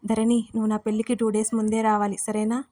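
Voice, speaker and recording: A woman's voice: a little high, monotone, fast, warm tone, lightly acted. A woman voicing a cheerful, playful young bride-to-be who insists and teases in a Telugu audio story. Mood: teasing.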